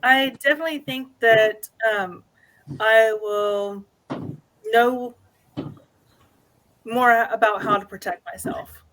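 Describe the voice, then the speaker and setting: A woman telling a personal story as an interview guest, speaking in a halting, tentative way. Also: fairly high pitch, fairly even intonation, fairly bright tone, low-quality recording. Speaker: guest, new paranormal investigator.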